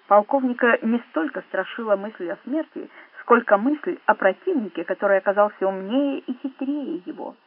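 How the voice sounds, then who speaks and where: A woman narrates an audiobook in a steady, even manner. Her voice is husky and slightly breathy, and her pitch is middling. The sound is narrow and thin, like a phone line. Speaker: audiobook reader. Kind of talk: scripted narration.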